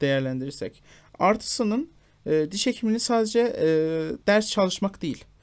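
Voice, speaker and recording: A man's voice with very wide pitch swings. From Iran. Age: 20s. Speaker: dental student. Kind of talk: casual interview. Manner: hesitant, many fillers.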